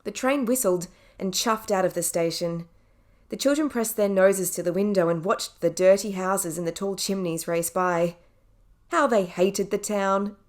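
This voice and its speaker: A woman's voice: mid-range voice, measured pace, darkish tone. A woman reading scripted audiobook narration as a professional narrator.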